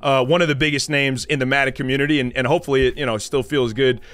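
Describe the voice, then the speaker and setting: A man's voice: mid-range voice, steady tone, fast talker, fairly bright tone, no echo. A man hosting a casual podcast interview, talking in a loose, slangy, rambling way with lots of restarts. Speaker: podcast host.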